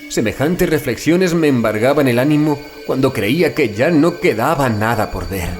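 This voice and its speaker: A man narrating a horror audiobook as a shaken witness recounting grim events, in grave, literary, deliberate phrasing. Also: mid-range voice, lively intonation, lightly acted. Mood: tense, horrified. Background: music behind the voice.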